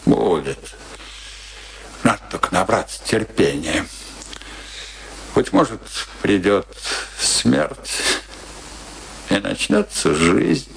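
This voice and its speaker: An actor playing a middle-aged, wry, philosophizing husband in a bitter long marriage, in a Russian radio play with theatrical, musing delivery. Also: male voice, low-pitched, sing-song, slow, gravelly, long pauses, exaggerated voice. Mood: musing, ironic. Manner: theatrical, musing, swinging between teasing and brooding. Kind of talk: Russian radio play acting, dramatic dialogue.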